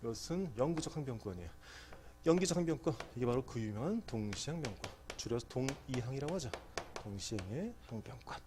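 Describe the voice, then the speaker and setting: A man's voice: mid-range voice, animated, brisk, background noise. A middle-aged man giving an exam prep law lecture, quizzing students and answering his own questions.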